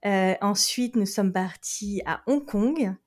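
A woman's voice: mid-range voice, slow. A woman from France, a lawyer, chatting as a guest in an interview, laughing often and restarting her sentences. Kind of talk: casual interview chat.

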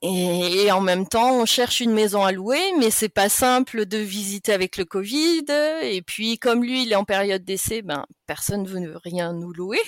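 A woman in her late thirties from France talks as a podcast guest at a middling pitch. She chats easily and breaks into laughter between sentences. Her voice is recorded close and dry, with no room sound. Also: normal speed, hardly any pauses, no room sound. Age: 30s. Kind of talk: casual interview chat.

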